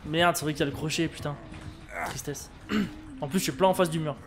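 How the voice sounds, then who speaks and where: A man's voice: on the high side, fairly even intonation, fast, gravelly, very noisy. A French man streaming a game, chatting casually and reading his viewers' chat with wry humor. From France.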